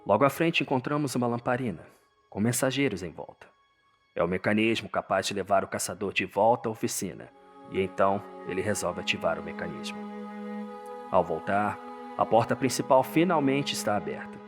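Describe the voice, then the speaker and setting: Low-pitched Brazilian man narrating dark fantasy. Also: fairly quick. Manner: suspenseful, theatrical. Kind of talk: dramatic scripted storytelling, dark fantasy audio drama. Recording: music behind the voice.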